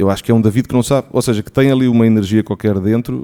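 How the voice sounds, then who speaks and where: Talking at a very fast pace, a man has a dark, mellow tone and fairly even intonation. The sound is dry and close, with no echo. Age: 40s. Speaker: musician. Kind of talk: casual chat. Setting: stage with audience. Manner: halting.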